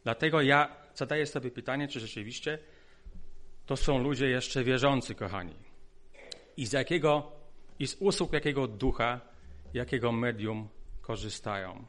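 A man preaching a sermon, earnest and pleading, who keeps calling his listeners "dear ones" and moves between quiet, lowered asides and raised, stressed phrases. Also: normal speed, pauses often.

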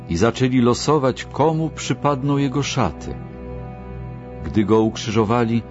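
Man, scripted Bible reading, very slow, low voice, muffled recording, faint music behind. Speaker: narrator.

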